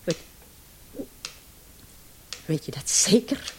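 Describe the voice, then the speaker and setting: An actress playing a brisk, skeptical police commissioner in a radio play, speaking with authority. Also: female voice. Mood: official. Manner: authoritative, interjecting. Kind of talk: Dutch-language radio play acting. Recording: faintly hissy old radio recording.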